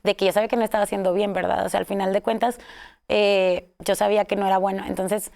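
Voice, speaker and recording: A woman's voice: mid-range voice, level tone, fast talker, creaky, a little mellow. A woman with a Mexican accent, telling her own story in a casual interview, rambling with many fillers and self-corrections. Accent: Mexican Spanish.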